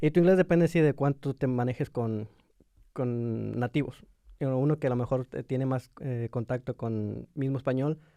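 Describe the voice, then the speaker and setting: His tone is dark and mellow, with intonation that stays fairly level. This man's recording sounds dry and close, without echo. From Mexico. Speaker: podcast host. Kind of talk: casual chat.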